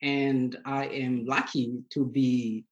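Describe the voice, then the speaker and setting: Measured Tanzanian-born male guest. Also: mid-range voice, level tone, highs cut off. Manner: measured, pausing with fillers. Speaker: podcast guest. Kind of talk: casual interview.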